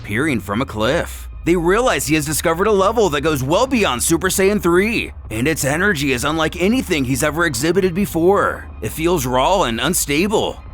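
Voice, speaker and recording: A man's voice: fairly high pitch, sing-song, normal speed, few pauses, a bit bright, faint music behind. A man narrating a scripted story in a dramatic, theatrical and intense manner.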